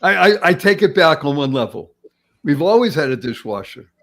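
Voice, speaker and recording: Animated man in his seventies, podcast host. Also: a little high, normal speed, low-quality recording. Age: 70s. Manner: animated, laughs often, repeats words. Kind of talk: casual podcast conversation.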